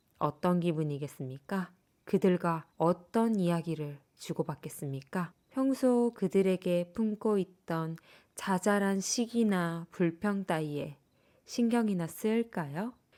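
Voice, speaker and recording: A woman's fairly low, dark, mellow voice, calm in tone, with lively intonation, very even loudness and a very slow pace, on a very clean recording with a silent background. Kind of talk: reading aloud from a book. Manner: soft-spoken, calm.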